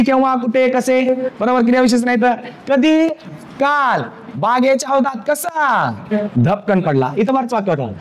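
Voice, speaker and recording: A male teacher giving a grammar lecture. He asks the class questions, answers them himself, repeats key terms and mixes in English words. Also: extremely high pitch.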